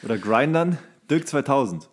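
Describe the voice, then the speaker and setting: A man's voice: mid-range voice, lively intonation, normal speed. A man co-hosting a podcast, joking flippantly in casual comedic banter. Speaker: podcast co-host.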